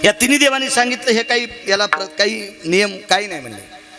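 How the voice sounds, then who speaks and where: Expressive and fast, a kirtan preacher recounts devotional stories with dramatic jumps in pitch and loudness while faint music plays behind him. He throws rhetorical questions at listeners and stretches certain lines into a semi-sung chant.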